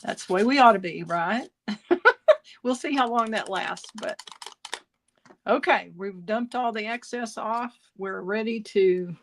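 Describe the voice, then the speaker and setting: A woman's voice: mid-range voice, unhurried, slight background noise. A woman teaching card making in a casual tutorial, chatty and self-correcting, with a slight cough now and then. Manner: chatty, self-correcting, laughs at own jokes.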